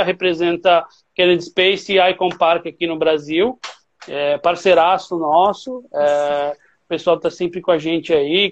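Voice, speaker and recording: Chatty high-voiced man hosting a live stream. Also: muffled recording. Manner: chatty, warm, laughs often, many fillers. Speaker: host of a travel-trade live stream. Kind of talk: casual live-stream chat.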